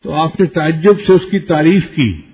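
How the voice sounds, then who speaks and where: A man preaching a sermon in a husky, slightly raised voice, teaching through everyday examples and little acted quotes. The recording is dull and lo-fi. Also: fairly high pitch, a little mellow. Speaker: Islamic preacher.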